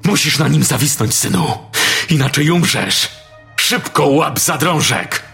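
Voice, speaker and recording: A man's voice: a little high, expressive, measured pace, vocal fry, sharp tone, full character voice. A man playing a desperate begging father. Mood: pleading. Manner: begging, frantic. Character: desperate pleading father, middle-aged man. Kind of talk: dramatized audio story. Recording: faint music behind.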